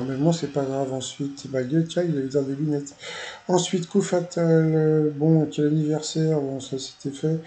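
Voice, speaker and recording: A man's voice: a little high, mellow. A man recapping a quiz show episode in a casual, rambling way, full of fillers and restarts.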